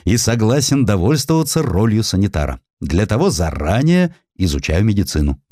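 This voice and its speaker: A man's voice: fairly low pitch, big pitch swings, moderate pace, warm tone, dry recording, clean studio sound. A man voicing a proud, stubborn young hussar in an audiobook, speaking in resolute declarations. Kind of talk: audiobook character dialogue.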